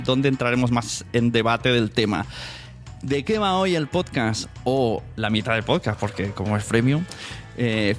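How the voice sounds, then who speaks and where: Informal male podcast host over faint music. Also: mid-range voice. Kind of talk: casual interview presenting.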